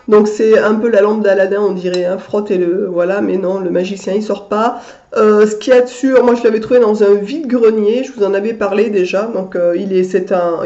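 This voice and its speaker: A woman's voice: medium pitch, dark tone. A woman vlogger with a stuffy nose from a cold, chatting casually to camera, with many fillers and restarts. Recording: echoey room, dull lo-fi sound.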